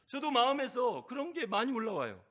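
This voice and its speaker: A middle-aged man preaching a sermon as pastor, impassioned, often putting questions to the congregation and swinging from loud crying out to hushed. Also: extremely high pitch, big pitch swings, fairly quick.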